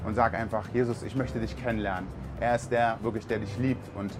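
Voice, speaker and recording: A man's voice: on the low side, steady tone, brisk. A man from Berlin, a truck driver on a mission team, gives an earnest, heartfelt personal testimony with many fillers. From Berlin, Germany. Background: music.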